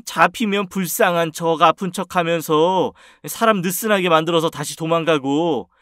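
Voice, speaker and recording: A worn-out police officer in a storybook drama, formal when on duty and grumbling in chat, as a man plays him. The voice sits a little high and sounds dry and close. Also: moderate pace, fairly bright tone, dry recording, lightly acted. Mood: exasperated. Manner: official, then chatty complaining. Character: male police officer, weary and firm.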